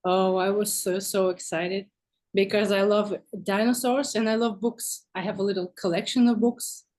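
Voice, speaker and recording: A woman guest in a relaxed interview, speaking English as a second language. Her delivery is conversational and a little halting, with expressive phrasing and a medium pitch. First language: not English. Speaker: guest visual artist.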